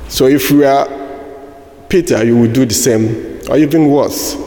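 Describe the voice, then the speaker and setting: A man with a Nigerian accent preaching a sermon, slow and halting with fillers and restarts. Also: mid-range voice, dark tone. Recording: echoey hall with long reverb.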